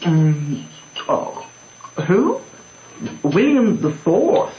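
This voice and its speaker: An actor playing a nervous country boy bluffing as a valet in an old radio drama, halting, stammering and evasive. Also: high voice, wildly swooping pitch, full character voice. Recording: muffled, roomy, hissy old radio recording.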